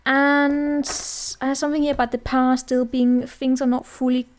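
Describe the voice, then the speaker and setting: A woman's voice: high-pitched, level tone, normal speed, a little hiss or hum. A woman giving a casual tarot reading in a chatty, rambling way, often checking in with the listener. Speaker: tarot reader.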